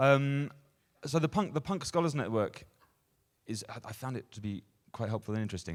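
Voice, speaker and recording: Here a man talks with a British accent. His intonation is lively. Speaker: music education professor and drummer. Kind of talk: panel talk. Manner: fast; hesitant, many fillers.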